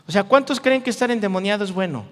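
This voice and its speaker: Male pastor, high voice, animated and jokey, with long reverb from a large hall. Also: fast talker. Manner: animated, jokey, playful asides to the crowd. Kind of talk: lively youth sermon with acted-out voices.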